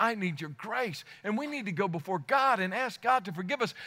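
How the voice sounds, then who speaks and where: A raised, projected voice with a bright, sharp tone and lively intonation comes at a fairly quick pace. The recording is very clean, with a silent background. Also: man. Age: 70s. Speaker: preacher. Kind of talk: sermon. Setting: church. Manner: halting.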